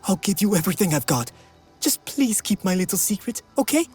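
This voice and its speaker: A woman's voice: medium pitch, big pitch swings, a little fast, darkish tone, faint music behind, natural voice. An actress voicing an anxious woman shopkeeper in a video game, worried and pleading as she talks. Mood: secretive, pleading. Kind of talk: video game character acting.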